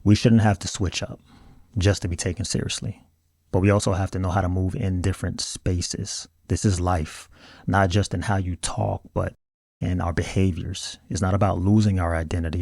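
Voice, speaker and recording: A low-voiced man with an African American accent hosts a video essay. His delivery is earnest and colloquial, with gravelly fry, recorded close and dry. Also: level tone, moderate pace, a little mellow, no room sound. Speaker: video host. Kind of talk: scripted video essay commentary.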